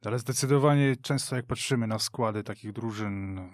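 A man's voice: medium pitch, brisk, dry recording. A man talking football as a radio studio guest, speaking fluently and reeling off names and details. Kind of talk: casual sports discussion.

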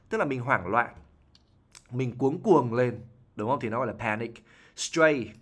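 With a medium-pitched, slightly bright voice, this male IELTS teacher walks through vocabulary from a novel. His explanations are peppered with "right?" check-ins and repetition.

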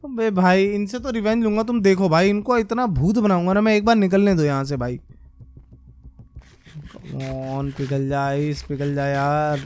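A young man commenting on his own gameplay as a gaming creator, muttering as he works and then bursting into excited shouts. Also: sits high, measured pace, clean tone. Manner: talks to himself and viewers, swings from muttering to excited shouts. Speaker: gaming YouTuber.

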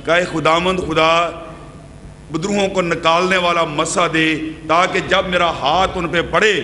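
A man's voice: on the high side, pushed and bright. A middle-aged man preaching a sermon at a podium, asking the congregation questions and gesturing broadly. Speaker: pastor. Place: church hall with brick wall, indoors. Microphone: podium microphones. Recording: reverberant church hall with faint hum.

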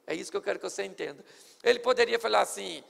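A man's voice: high voice, racing, creaky, fairly bright tone, big-room sound. A male pastor preaching a sermon at a church service, theatrical and playful.

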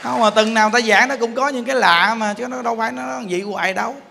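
Male Buddhist preacher, Southern Vietnamese accent, high pitch, emphatic and teasing, long hall reverb. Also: steady tone, quick pace, creaky, noisy background. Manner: emphatic, playful, asks the audience rhetorical questions. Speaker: Buddhist teacher. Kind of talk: Buddhist sermon.

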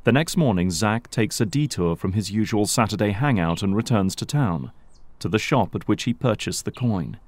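A man's voice: fairly low pitch, animated, moderate pace, no echo, natural voice. A man narrating an audio drama from a script in the present tense.

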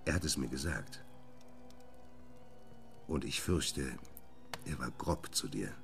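An actor playing a proud, troubled gentleman scientist in a German radio drama, theatrical and halting, moving between murmurs and outbursts. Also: very deep voice, lively intonation, creaky, faint music behind, full character voice. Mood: grave, pleading.

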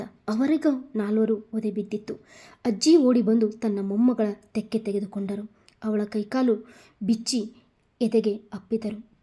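A woman reading a dramatic story aloud with expressive narration. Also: mid-range voice.

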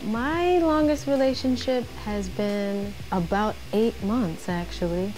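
A woman's voice: medium pitch, takes it slowly, over music, poor audio. A young woman giving casual answers as a contestant on a studio dating show. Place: white studio.

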